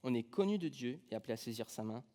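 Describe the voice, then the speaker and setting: In a church sanctuary, a man with a French accent from France preaches a conversational sermon, casual and humorous, filled with personal stories and plenty of fillers. His medium-pitched voice is warm, expressive and quick.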